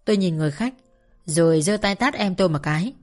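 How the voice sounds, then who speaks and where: A woman reading a first-person story aloud in a calm, measured narration. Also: on the low side. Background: faint music.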